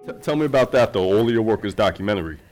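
A man's voice: lowish voice, animated, racing, darkish tone, faint music behind. A man, a documentary filmmaker, talking casually in a conversation, loose and rambling with many fillers and restarts.

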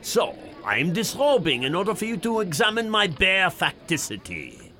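An excitable existentialist in a comedy sketch. His voice sits a little high and swings around expressively. He argues every point with absurd pedantry. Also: moderate pace, heavily acted. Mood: indignant pedantry.

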